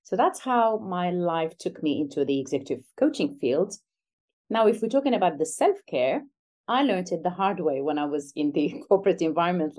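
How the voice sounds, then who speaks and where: A woman's voice: low-pitched, warm tone. A middle-aged woman from Algeria speaking as an interview guest, reflective and conversational, earnest and emphatic about her work as a coach.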